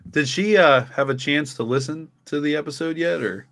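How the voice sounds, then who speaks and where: A man's voice: fairly high pitch, moderate pace, fairly bright tone. A man co-hosting a podcast, explaining things casually with a hesitant delivery. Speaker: podcast co-host and story creator. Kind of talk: casual discussion.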